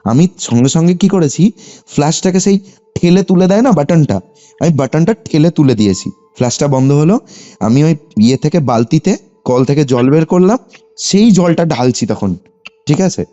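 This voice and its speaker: Muffled, mellow Bengali man telling a story. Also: fairly high pitch, normal speed. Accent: Bengali from West Bengal. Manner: animated telling, often seeking confirmation with short tags. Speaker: caller telling a personal ghost story. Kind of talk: conversational personal storytelling. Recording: muffled lo-fi phone call, music behind. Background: background music.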